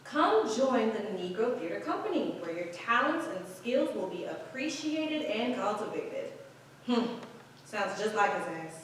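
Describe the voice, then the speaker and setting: A woman's voice: medium pitch, a little slow. A woman acting a sassy, skeptical African American performer of the 1950s in a staged play reading. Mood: sardonic. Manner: sardonic, animated. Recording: echoey hall from far off, faint noise.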